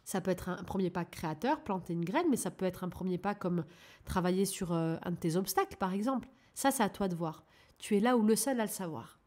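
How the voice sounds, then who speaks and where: A French woman speaks in a soft, encouraging coaching tone, addressing the listener directly as she guides them toward their goals. Her pitch sits in a middle range, and her delivery is relaxed and conversational, with the hesitations of unscripted talk. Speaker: life coach and channel host. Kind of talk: casual coaching monologue.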